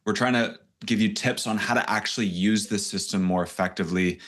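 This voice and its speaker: Male webinar host, lower voice, casual and rambling, video call audio. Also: a little fast, fairly bright tone. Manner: rambling, self-deprecating, loose and chatty. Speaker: host and coach. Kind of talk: casual online coaching session.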